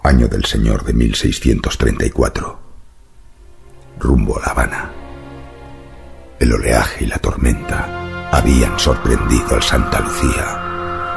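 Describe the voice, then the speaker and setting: A man narrating a horror audiobook in a gravelly voice, with slow, ominous, dramatic delivery. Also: a bass voice, fairly even intonation, loud music behind the voice.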